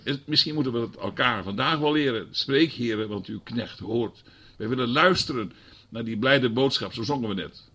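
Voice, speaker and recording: A man preaching a sermon who moves from quiet explaining to loud, fervent passages and keeps asking the congregation rhetorical questions. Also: mid-range voice, husky. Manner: conversational asides.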